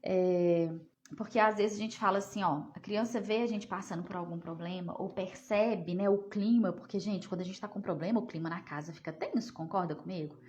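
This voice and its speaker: A woman's voice: on the low side, steady tone, a little fast, a little mellow, a little hiss or hum. Psychologist mother chatting with viewers. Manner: chatty, often asks "né?", talks to viewers as "gente". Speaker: child psychologist answering viewer questions. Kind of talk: casual live Q&A.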